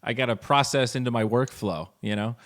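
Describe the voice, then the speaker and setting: A man speaking as a guest on a podcast, talking casually and animatedly, swearing freely and jumping up in pitch when he stresses a point. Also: brisk, fairly bright tone. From Finland. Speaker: podcast guest, esports commentator.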